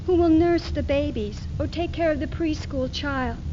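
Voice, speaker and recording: A woman plays a devoted, pious housewife with a high voice. She declaims earnestly in a theatrical recitation, proud of hearth and home. The archival recording is muffled and has clear background noise. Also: moderate pace, lightly acted. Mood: proud, insistent. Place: live readers theater performance at a university. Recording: dull, noisy 1970s archival stage recording.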